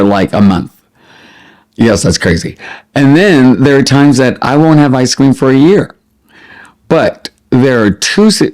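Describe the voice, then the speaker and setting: A middle-aged man chatting casually as a vlogger, expressive and prone to wandering off on tangents as he answers questions. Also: mid-range voice. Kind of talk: casual chat to camera, answering listed questions.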